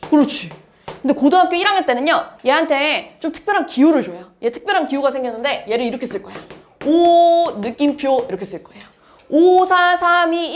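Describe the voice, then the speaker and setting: A woman math teacher lecturing a class, explaining step by step and asking her students questions. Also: high-pitched.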